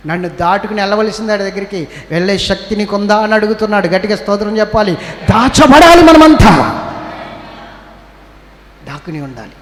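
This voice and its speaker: A man's voice: high-pitched, a little hiss or hum. A male pastor with a Telugu accent preaching a church sermon. He calls on the congregation to respond, scolds and exhorts them. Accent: Telugu, Andhra Pradesh. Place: church hall. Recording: echoey church hall with faint ambience.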